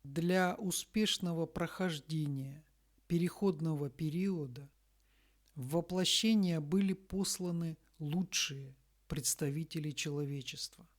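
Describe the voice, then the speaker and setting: A woman reading a scripted spiritual message in a solemn, deliberate manner, breaking it into short phrases with long pauses. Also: low-pitched. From Russia.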